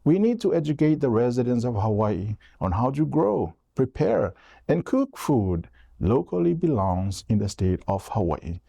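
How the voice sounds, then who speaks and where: Gravelly man from Tonga, campaign speech. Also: medium pitch, big pitch swings, a little slow, warm tone, no echo. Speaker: political candidate. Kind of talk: prepared campaign statement.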